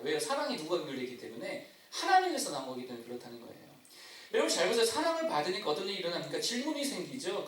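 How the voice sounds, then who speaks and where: A man's voice: high voice, slight background noise. A male pastor preaching a sermon in a church, often asking the congregation questions. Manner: animated, asks the congregation questions. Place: church sanctuary. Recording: echoey church hall, distant mic.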